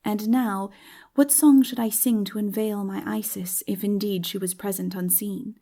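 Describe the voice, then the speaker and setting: A woman's voice: mid-range voice, steady tone, moderate pace, dark tone. A woman narrating a literary audiobook as a dramatic reading.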